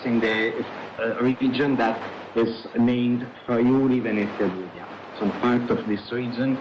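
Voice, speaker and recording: A man from northern Italy, a native Furlan speaker with an Italian accent, talking hesitantly in an interview over shortwave radio. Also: medium pitch. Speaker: documentary filmmaker, interview guest. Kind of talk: conversational interview. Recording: muffled, noisy shortwave radio broadcast.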